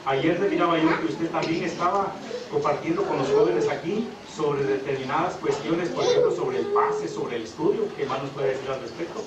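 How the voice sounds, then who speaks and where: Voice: mid-range voice, moderate pace, a loud crowd. A radio host leading a live interview, thanking the guests and addressing the listeners formally as brothers and sisters. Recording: echoey room from far off, loud noise.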